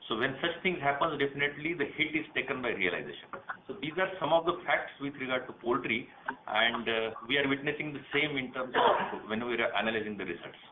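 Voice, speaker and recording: A man with an Indian accent answering questions formally on an earnings call, in the measured way of a senior company manager. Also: medium pitch, expressive. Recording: tinny phone line, some noise.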